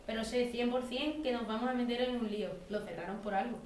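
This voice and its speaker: A woman's voice: a little high, steady tone, quick pace. Teen girl acting script lines, echoey, faint noise. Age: teenager. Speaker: student acting in radio play. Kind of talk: scripted dialogue. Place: school classroom. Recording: roomy classroom, distant mic, faint noise.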